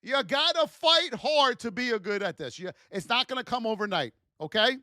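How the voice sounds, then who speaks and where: A man coaching a livestream audience with blunt, gruff tough love, in punchy repeated phrases that push and encourage. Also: very high voice, lively intonation, normal speed, bright, forceful tone, dry recording, studio quality. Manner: punchy repeated phrases, addresses listeners as folks. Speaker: trading coach and livestream host. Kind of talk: livestream coaching pep talk.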